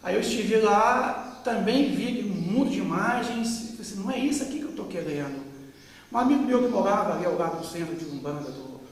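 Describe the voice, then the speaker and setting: A man's voice: sits high, lively intonation. Older-sounding man recalling, echoey distant mic. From Brazil. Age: 50s. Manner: unhurried, with many pauses and fillers. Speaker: interviewee. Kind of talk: reminiscing oral-history interview. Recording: echoey room, mic far off.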